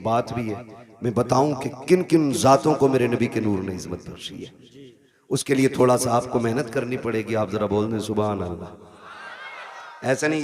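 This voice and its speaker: A male preacher giving a sermon on stage into a microphone, telling stories and coaxing the crowd to call back. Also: medium pitch. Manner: storytelling that keeps urging the crowd to call out. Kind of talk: sermon at a live religious gathering. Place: stage at a large gathering with a PA system.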